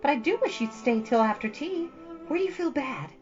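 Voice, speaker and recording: A woman's voice: high voice, expressive, a little fast, a little mellow, pitched above the performer's own voice. A woman puts on a chatty young girl with a head full of fancies, spilling dramatic tales in long breathless runs. The voice rises and falls a lot. It is a slightly dull storybook recording with faint music in the background. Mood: pleading. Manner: breathless, run-on storytelling, theatrical.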